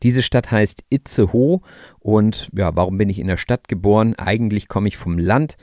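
A man in his thirties from northern Germany, hosting a podcast for German learners in calm, clear, deliberate narration. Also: lowish voice, no room sound, clean studio sound. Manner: calm, explanatory, easygoing. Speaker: podcast host teaching German.

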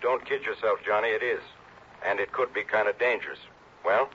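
A man's voice: on the low side, a little fast, sharp tone, a little hiss or hum. An actor playing a friendly insurance agent in a 1960s radio drama, bantering with his investigator. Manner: teasing, then earnest. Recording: dull vintage radio broadcast.

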